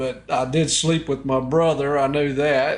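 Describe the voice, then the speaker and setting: A man speaks with an Appalachian accent at a moderate pace. Audible room echo surrounds his voice. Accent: Appalachian American. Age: 70s. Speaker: podcast host. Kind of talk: casual chat. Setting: senior living center.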